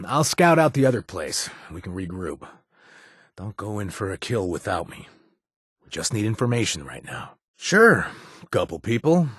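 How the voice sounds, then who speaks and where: Heavily acted and recorded dry, this husky, fairly low male voice plays a sardonic wasteland companion in a game who frets over his brother. He delivers dry humor and hesitates often.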